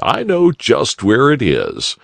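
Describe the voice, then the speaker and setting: A cheerful old rabbit gentleman from a storybook, voiced by a man, kindly and eager to help. His voice swoops up and down, lifted above the narrator's and with a gravelly grain. Dry and close. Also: medium pitch, wildly swooping pitch, slow, no room sound, voice pushed up, heavily acted. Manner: jolly, kindly, storybook warmth.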